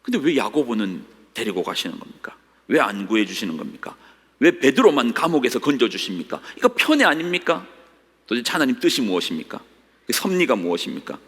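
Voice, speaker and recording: A man's voice: medium pitch, big pitch swings, a little fast, fairly bright tone, slightly rough. A middle-aged male pastor preaching a sermon, dramatically voicing the complaints of the faithful with rising cries. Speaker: senior pastor. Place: church sanctuary. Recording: long reverb of a church hall.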